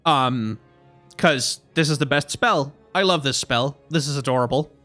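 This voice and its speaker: Slightly hoarse man streaming casually. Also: medium pitch, a little slow, sharp tone, no echo, soft background music. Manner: chatty, rambling, reacts to chat. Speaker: streamer reviewing card art. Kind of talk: casual live stream commentary.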